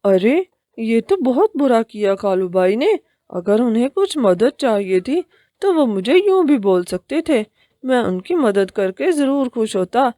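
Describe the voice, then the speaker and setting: A kind, simple-hearted stork father in a cartoon who speaks earnestly, played by a woman. The voice is mellow and recorded dry and close. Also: fairly high pitch, sing-song, no room sound.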